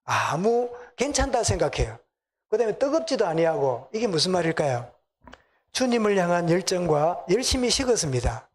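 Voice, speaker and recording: Here a middle-aged man with a Gyeongsang Korean accent serves as pastor, giving a sermon in a church sanctuary. He speaks at normal speed in a high voice with big pitch swings, chatting with the people and asking them questions.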